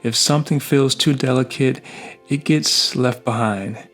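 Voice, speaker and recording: A man narrating a scripted product review in measured, short phrases. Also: medium pitch, fairly bright tone, soft background music.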